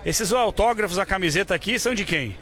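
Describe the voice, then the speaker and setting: High, fast, bright-voiced street interviewer. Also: male voice, animated. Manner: loud, jokey, slangy, eager. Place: outdoors on a busy city street.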